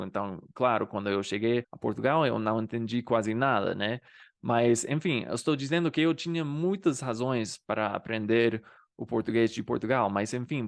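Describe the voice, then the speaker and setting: A young man from the United States with an American accent, a native English speaker hosting a language channel and explaining things to camera in a relaxed, conversational way. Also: medium pitch, creaky, dry recording, clean studio sound. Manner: relaxed and conversational, many filler tags. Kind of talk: casual explainer talking to camera.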